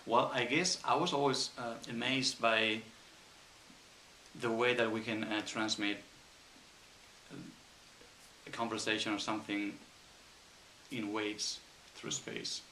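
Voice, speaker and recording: A man from Spain with a Spanish accent, an engineer answering interview questions thoughtfully with frequent pauses and ums. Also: fairly low pitch, flat delivery, pushed and bright, roomy sound, a little hiss or hum, low-quality recording. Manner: thoughtful, hesitant with many ums.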